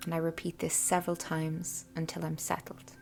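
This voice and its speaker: A woman speaks softly in a lowish, breathy voice that slips toward a whisper. She guides a meditation with slow, soothing, scripted phrasing, keeping her intonation fairly even. Quiet music plays behind her. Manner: soft, breathy, half-whispered, unhurried delivery. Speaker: host guiding a meditation. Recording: soft music bed behind voice. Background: quiet background music.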